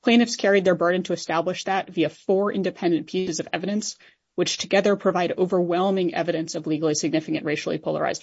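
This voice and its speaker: Low-voiced woman lawyer arguing in court. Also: darkish tone, breathy edge, lo-fi sound. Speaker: appellate lawyer. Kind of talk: formal oral argument.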